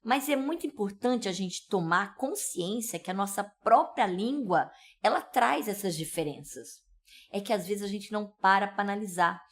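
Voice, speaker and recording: A woman's voice: mid-range voice, expressive, moderate pace. A woman with a São Paulo accent teaching pronunciation, explaining step by step and checking in with listeners often. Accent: São Paulo Brazilian Portuguese. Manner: explanatory, with frequent "né?" and "tá?" check-ins. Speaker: English teacher. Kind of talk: pronunciation lesson.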